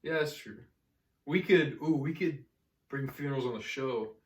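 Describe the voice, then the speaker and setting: In a casual podcast chat, a young adult co-host jokes with a friend and laughs a lot. He talks at normal speed in a medium-pitched voice. The recording has a slight hiss or hum, an echoey room, and a distant mic.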